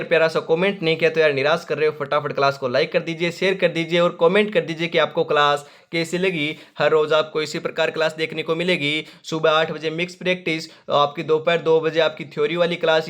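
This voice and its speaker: A man's voice: on the high side, fairly bright tone. Emphatic young male exam-prep teacher. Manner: repetitive, emphatic, addresses viewers as friends. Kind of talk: quiz-answer lesson for an exam.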